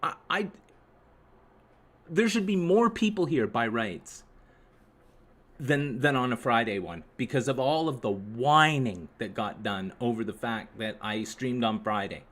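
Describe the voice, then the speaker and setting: A man rambles through a live stream, grumbling at his viewers with sarcastic jabs and constant swearing. His voice sits at an ordinary middle pitch for a man. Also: animated, unhurried, a bit bright. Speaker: livestream host.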